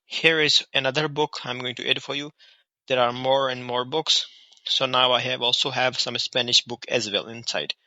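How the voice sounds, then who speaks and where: A man with a South Asian accent walks through an app in an informal tutorial style. His voice is middle-pitched and strikingly bright and sharp, recorded dry and close. He instructs step by step, repeating himself and checking in. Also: steady tone, moderate pace, dry recording, muffled recording. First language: Hindi or Urdu. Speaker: app reviewer and tutorial host.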